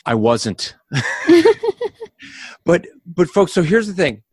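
A man with a loud voice that carries well, sitting a bit high for a man, co-hosts a podcast and walks listeners through recording gear. He talks with lively, explanatory energy and often turns to the audience directly. The sound is dry and close, with no room around it. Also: takes it slowly, slightly rough, no room sound. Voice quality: loud, carrying voice. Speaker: podcast co-host. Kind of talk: casual instructional podcast talk.

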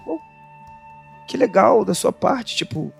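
A Brazilian man with a fairly high voice talks casually as a podcast co-host. He rambles thoughtfully in slangy, halting bursts, and faint music plays behind him. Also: expressive, creaky. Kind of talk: casual, reflective podcast chat.

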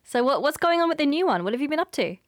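A woman's voice: high voice, big pitch swings, racing, dry recording, studio quality. A young adult woman with an Australian accent, co-hosting an astronomy podcast in an enthusiastic, bubbly chat. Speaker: podcast co-host, research fellow. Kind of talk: casual chat.

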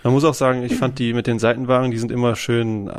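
A man in a casual chat, explaining things in a relaxed, rambling way. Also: medium pitch, fast. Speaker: co-host.

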